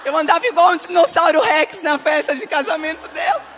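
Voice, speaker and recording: Animated, high-voiced woman pastor. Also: a little fast, slight background noise. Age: middle-aged. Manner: emotional, laughing and crying as she tells the story; talks directly to the audience, very animated. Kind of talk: sermon with personal storytelling.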